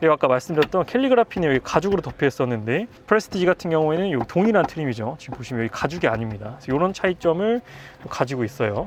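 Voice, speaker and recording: Talking at a very fast pace, a man uses a fairly high pitch with very wide pitch swings. Background noise is noticeable. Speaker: car reviewer. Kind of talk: video review walkthrough. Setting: car showroom event.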